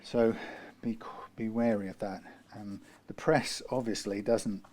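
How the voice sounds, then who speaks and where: Unhurried and fairly even in intonation, this man's lowish, darkish voice guides a guitar repair. He's from the UK, and his workshop how-to wanders, with self-corrections and wry asides.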